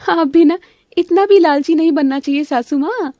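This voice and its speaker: A woman voicing a cheeky, bubbly young daughter-in-law in an animated family cartoon. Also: very high-pitched, measured pace, dry recording, clean studio sound, pitched above the performer's own voice. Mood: teasing. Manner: teasing, giggly, bubbly.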